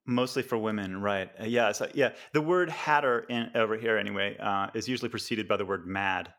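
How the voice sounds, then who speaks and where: A man's voice: lowish voice, fairly quick, a bit bright. American man hosting a friendly chat. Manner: friendly, laughs often, hesitant fillers. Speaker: podcast host. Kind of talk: casual interview chat.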